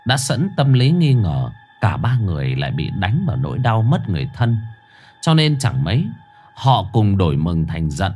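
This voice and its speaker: A man's voice: fairly low pitch, big pitch swings, moderate pace, darkish tone, faint music behind. A man telling a scripted horror story dramatically.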